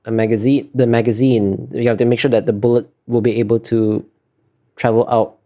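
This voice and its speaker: A man's voice: medium pitch, flat delivery, brisk, mellow. A man being interviewed as an artist, talking casually and explaining in a hesitant, self-correcting way.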